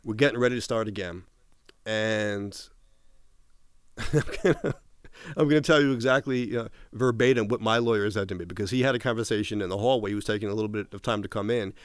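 A man's voice: on the low side, fairly quick, clean tone, dry recording. A man being interviewed, retelling a long story in a casual way, restarting often and quoting what others said. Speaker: interview guest.

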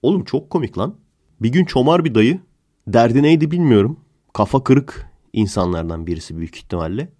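A man's voice: medium pitch, expressive, brisk, mellow. Guy hosting a comedy podcast, sarcastic and jokey, voice swings up and down a lot. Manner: sarcastic, joking storytelling. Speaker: podcast host. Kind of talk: casual comedic podcast chat.

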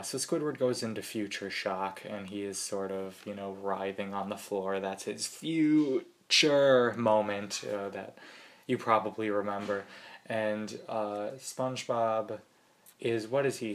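A man's voice: fairly low pitch, fairly even intonation, moderate pace. A man co-hosting a podcast in casual chat, analytical and a bit hesitant, laughing often. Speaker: podcast co-host.

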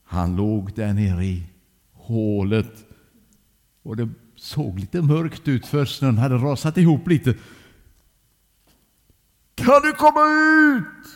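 Gravelly man telling a children's story. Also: on the low side, in a large hall. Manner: lively, addressing young listeners.

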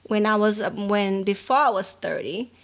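A woman in her thirties from Brazil, with a Brazilian accent, co-hosting a podcast in casual chat. She rambles, restarting sentences and filling pauses with "um". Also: medium pitch. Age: 30s. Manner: rambling, many restarts and fillers. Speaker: podcast co-host.

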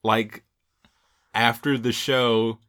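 A young man co-hosting a casual podcast, reading off facts in a relaxed, joking way, with a slight Mexican accent. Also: mid-range voice, drawn-out words. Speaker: podcast co-host. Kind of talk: casual chat.

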